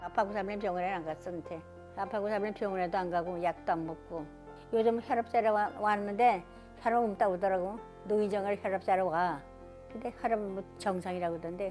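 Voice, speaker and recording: Over music in the background, a woman speaks fairly quickly at medium pitch with fairly even intonation. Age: 80s+. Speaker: member interviewee. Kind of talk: interview answer.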